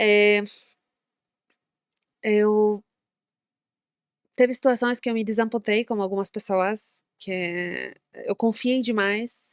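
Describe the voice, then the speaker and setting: A woman with a non-native accent speaks very slowly at a fairly high pitch, leaving long, frequent pauses. Her intonation is monotone and flat, and the sound is dry and close with no echo. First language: not Portuguese (speaking Portuguese). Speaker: entrepreneur. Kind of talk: podcast interview.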